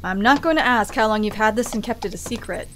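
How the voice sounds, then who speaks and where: A woman's voice: a little high, fast, fairly bright tone, slight background noise, close to an everyday voice. A woman acting in an audio drama as a wry privateer starship captain, with dry banter.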